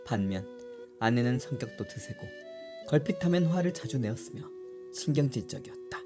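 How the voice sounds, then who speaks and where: Low-voiced woman telling a folk tale. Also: music in the background. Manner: calm, measured storytelling. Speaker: storyteller. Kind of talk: scripted folk-tale narration.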